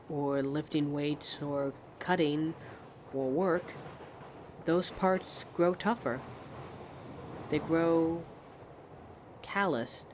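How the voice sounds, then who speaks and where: A woman playing a pensive, friendly train passenger in a conversational ASMR roleplay, musing hesitantly as she talks to a stranger. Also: deep voice. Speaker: audio roleplay performer. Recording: steady train ambience noise. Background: train ride sound effects.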